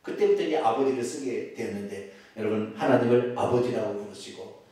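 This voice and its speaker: A male pastor preaching an animated sermon, calling out loudly and leading the congregation to repeat after him. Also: mid-range voice, a little fast. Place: church sanctuary. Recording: echoey church hall from far off.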